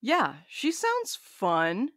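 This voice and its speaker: Wry, lively-pitched courier played by a woman. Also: very slow, no room sound, clean studio sound, exaggerated voice. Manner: wry, blunt, casual. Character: blunt, sarcastic, sweary courier with a soft side. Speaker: voice actor in audio drama. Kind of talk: scripted audio drama acting.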